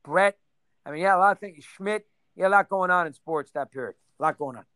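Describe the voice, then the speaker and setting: A man in his sixties, reminiscing in a casual interview, rambling and rattling off names in quick bursts. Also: high-pitched, pushed and bright, no echo. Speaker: interview guest.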